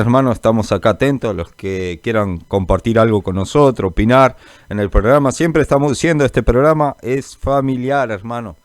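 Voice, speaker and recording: Chatty radio preacher, dry sound. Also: male voice, mid-range voice, no room sound. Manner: chatty, greets listeners by name, calls them brother; informal, rambling, many fillers. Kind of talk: live call-in gospel radio chat.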